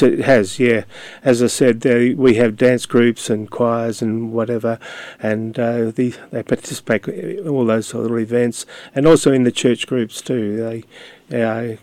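An older man speaks in a level, unvaried voice, pausing often on fillers and restarting his sentences. The sound is close and dry, with no room around it. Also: medium pitch, a little mellow, no echo. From Australia. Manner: hesitant, many fillers and restarts. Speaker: community radio guest. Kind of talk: casual interview talk.

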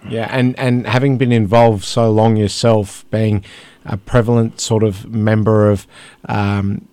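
A male radio host asks his questions in a friendly, curious way. His voice sits a little low, and it is recorded close and dry. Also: level tone, unhurried, mellow, smooth, dry recording. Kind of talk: casual radio interview.

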